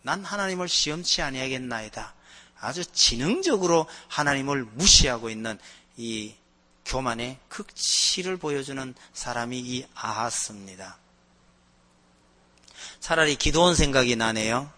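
A man's voice: medium pitch, expressive, unhurried, bright, forceful tone. A male pastor preaching a sermon, telling anecdotes with animation and acting out the voices in them.

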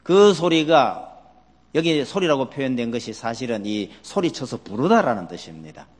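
A man's voice: medium pitch, normal speed. A man preaching a sermon as a pastor, animatedly asking his congregation questions. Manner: asks the congregation many questions; animated, acts out quoted voices. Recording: long hall reverb.

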